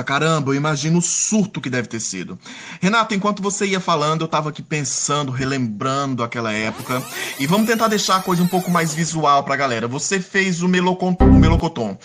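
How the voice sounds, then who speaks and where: Enthusiastic interview host, slightly high voice. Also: male voice, a bit bright. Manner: enthusiastic, exclamatory. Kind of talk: interview hosting.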